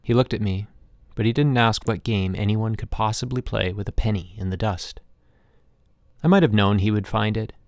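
Guy reading an audiobook story, lowish creaky voice, reflective, really dry sound. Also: no echo. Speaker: audiobook narrator. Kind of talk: scripted literary narration.

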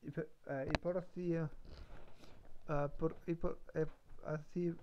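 A man's voice: a little high, level tone, slow, noisy background. A man practicing on a live stream, hesitant, full of fillers and self-corrections. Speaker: language learner streamer. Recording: dull lo-fi stream mic.

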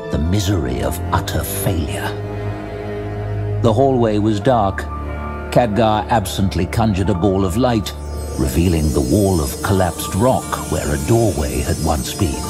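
Man, dramatic fantasy narrator, slow measured delivery, widely swinging intonation, suspenseful, theatrical. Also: sits low. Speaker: audiobook narrator.

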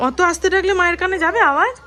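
A woman's voice: extremely high pitch, animated, very fast, noisy background. A woman chatting casually in a family vlog, often coaxing and playing with a small child. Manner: talks sweetly to a small child, coaxing and playful. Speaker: vlogger.

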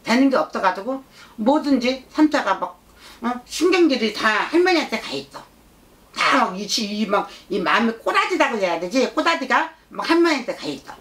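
A woman shaman channels a blunt little child spirit with a high voice that swings animatedly up and down. The speech is childish and nagging, circling back over the same words and pressing for agreement. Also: big pitch swings, moderate pace, a bit bright. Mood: earnest, nagging. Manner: childish, insistent, repetitive, scolding with prompting questions. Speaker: shaman fortune-teller. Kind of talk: shamanic consultation, speaking as a spirit.

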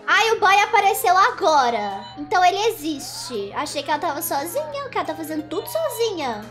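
A woman's voice: very high voice, a bit bright. A young woman giving chatty, giggly commentary while playing a browser game. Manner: chatty, giggly, exclaiming, teasing. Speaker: gaming YouTuber. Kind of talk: casual gameplay commentary. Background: game music.

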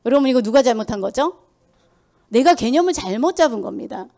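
A middle-aged woman delivers a motivational sales lecture with a high, bright voice that swoops up and down. She presses her points with rhetorical questions to the audience and mocks excuses in put-on voices. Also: lively intonation, fairly quick, vocal fry. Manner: acts out quoted excuses in mocking voices. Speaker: sales seminar speaker. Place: lecture hall.

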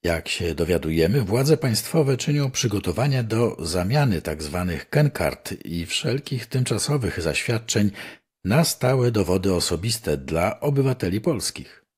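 Older male reader, low husky voice, formal declamatory delivery of archival news. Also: very animated, darkish tone. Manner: measured, declamatory reading. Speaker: newspaper reader. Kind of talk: formal reading of old newspaper articles.

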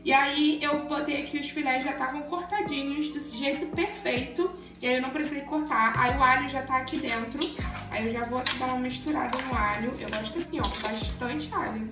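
A woman's voice: high-pitched, a little fast, distant mic. A young woman from Brazil chatting casually to her viewers while cooking in her home kitchen. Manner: chatty, addresses viewers affectionately. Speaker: cooking vlogger. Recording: echoey kitchen from off-mic with music.

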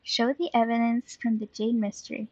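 Young gamer woman chatting casually, playful, bit high, slightly dull dry mic. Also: level tone, normal speed, husky, dry recording. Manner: giggly, playful. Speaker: let's play streamer. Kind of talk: casual gaming commentary with a friend.

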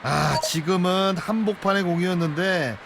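High-pitched baseball game analyst. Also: male voice, moderate pace, creaky, very noisy. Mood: analytical. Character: analytical male baseball expert commentator in a video game. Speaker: baseball color commentator. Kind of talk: sports game analysis commentary.

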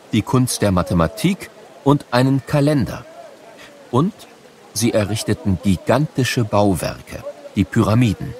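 Low-voiced male educational narrator. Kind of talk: scripted educational narration for children.

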